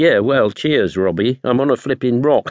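A man speaks with a British accent. His pitch is medium, with ordinary variation. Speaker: audiobook narrator. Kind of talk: first-person memoir narration building suspense in a survival story. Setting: studio. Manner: tense, dramatic pacing with short clipped beats like 'Relief. Except not quite.'; wry, self-deprecating humour undercutting the peril.

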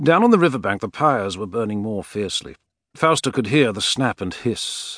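Against a quiet background, the intonation stays lively in an unforced reading voice.

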